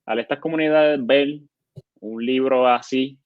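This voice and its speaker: A man speaking as a podcast guest, relaxed and agreeable, slipping in the odd English word. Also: mid-range voice, a little slow, no echo. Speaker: guest, bookstore co-founder. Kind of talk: casual conversation. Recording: dull lo-fi podcast audio.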